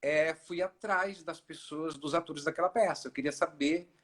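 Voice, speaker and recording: A middle-aged man from Ceará, an actor and director, telling his story in a relaxed live-stream interview, with many fillers and restarts. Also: on the high side, normal speed. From Ceará, Brazil. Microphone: video call.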